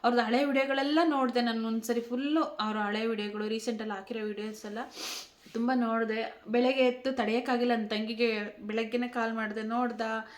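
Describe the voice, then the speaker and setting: A woman vlogger speaks in a somewhat high voice, tearful and close to crying. She pleads with her viewers and keeps coming back to the same words. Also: fairly even intonation, brisk. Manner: pleading, repeating herself, close to tears. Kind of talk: emotional tribute vlog.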